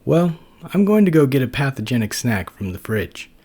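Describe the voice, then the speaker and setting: A man's voice: medium pitch, big pitch swings, moderate pace, darkish tone, husky, voice pushed up. A man voicing a hungry, dim-witted, laid-back male white blood cell in a storybook reading. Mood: cheery. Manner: easygoing, slangy drawl.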